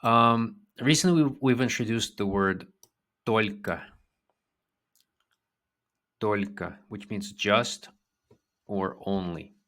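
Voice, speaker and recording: A man teaching a vocabulary lesson, repeating each word twice in a slow, patient way. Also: lowish voice, a bit bright. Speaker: language teacher.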